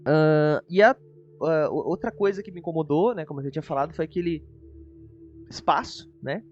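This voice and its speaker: A man's voice: fairly high pitch, moderate pace, darkish tone. A Brazilian man chatting casually as co-host of a review show, informal and rambling. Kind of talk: casual spoken review chat. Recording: dull, lo-fi audio. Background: music.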